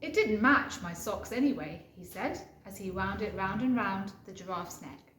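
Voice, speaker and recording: A woman's voice: medium pitch, expressive, moderate pace, fairly bright tone. A woman reading a children's picture book aloud as a storyteller. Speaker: school staff member reading a picture book. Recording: echoey room with faint noise.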